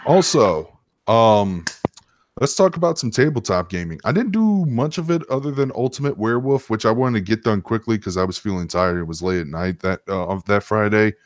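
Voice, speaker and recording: Male stream host, lower register, loose profane storytelling, dry recording. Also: lively intonation, fairly quick, dry recording. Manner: rambling, profane. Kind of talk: casual storytelling chat.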